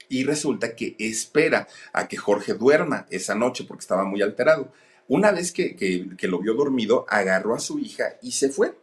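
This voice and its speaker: A man telling a gossipy story casually, turning to the listeners with frequent asides. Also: on the low side. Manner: chatty, addresses listeners directly with asides. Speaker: storytelling host.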